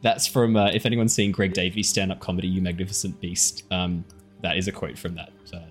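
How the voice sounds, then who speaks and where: A man's voice: low-pitched, little pitch movement, a little fast, faint music behind. A man running a tabletop game as game master, improvising narration and chatting with the players in a self-deprecating, apologetic way.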